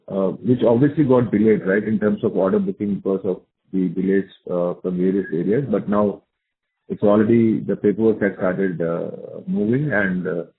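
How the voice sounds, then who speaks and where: A man with an Indian accent answering investor questions as a company executive on a conference call, restating his points for emphasis, over a narrow phone line. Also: low voice.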